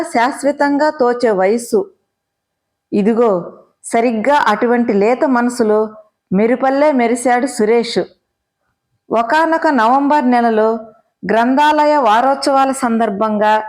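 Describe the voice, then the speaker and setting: A woman narrating a first-person story in a measured, reflective way. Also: fairly high pitch, a little mellow.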